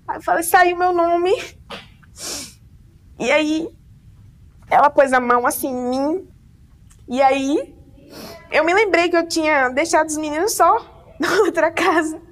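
A young woman from tells a personal story in an interview, animated and acting out the voices she quotes. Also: a little slow, long pauses. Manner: animated, acts out quoted voices with big pitch jumps. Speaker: interview guest.

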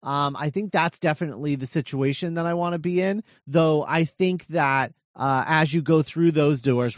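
Man, slightly high voice, hesitant, trailing off, casual brainstorming chat, dry close sound. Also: dry recording. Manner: hesitant, many fillers and restarts, trails off quietly.

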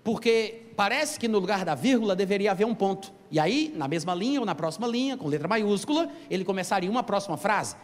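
A man preaching a sermon, teaching from scripture in an animated, emphatic way and calling out to the congregation. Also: high-pitched, quick pace, few pauses. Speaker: pastor. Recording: long hall reverb.

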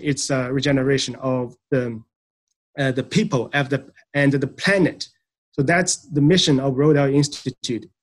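A man in his thirties from Eastern China, a soil scientist answering interview questions in a measured, explanatory way with frequent fillers. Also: mid-range voice.

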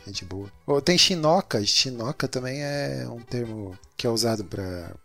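A man's voice: mid-range voice, expressive, a little slow, gravelly, fairly bright tone, soft background music. Easygoing man in a casual chat. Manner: easygoing, laughs along, quotes phrases. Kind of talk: casual chat about regional slang.

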